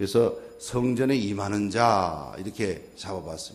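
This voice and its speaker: A soft-spoken man talks at a fairly slow pace with a fairly low pitch. His voice carries audible room echo. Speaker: pastor. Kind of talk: sermon. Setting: church. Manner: soft, calm.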